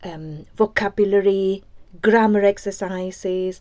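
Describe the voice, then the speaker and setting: A woman with a medium pitch, a Spanish accent, flat monotone intonation, and a very slow pace. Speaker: online Spanish tutor. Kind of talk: tutorial. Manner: hesitant, many filler sounds.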